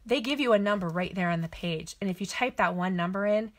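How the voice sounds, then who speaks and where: A woman's voice: mid-range voice, quick pace. A middle-aged woman hosting a casual catalog walk-through, chatty and gushing, thinking aloud as she shows her cards. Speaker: papercraft demonstrator.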